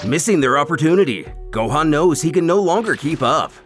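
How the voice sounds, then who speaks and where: Dramatic music plays behind a man telling an action story as scripted, theatrical comic narration. He speaks fairly quickly, with an expressive, fairly high-pitched voice.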